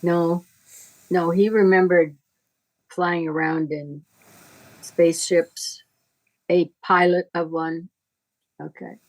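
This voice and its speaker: Middle-aged woman, lowish voice, very unhurried and deliberate, informal spiritual teacher. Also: little pitch movement, low-quality recording. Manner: halting, deliberate, reflective explaining. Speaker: astrology teacher.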